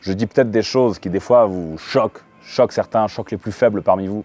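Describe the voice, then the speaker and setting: Dry and close with no echo, the recording has a man talking at a moderate pace with fairly low pitch and ordinary pitch variation. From Russia. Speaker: online business coach and vlogger. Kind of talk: motivational talk with sales pitch. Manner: casual, emphatic.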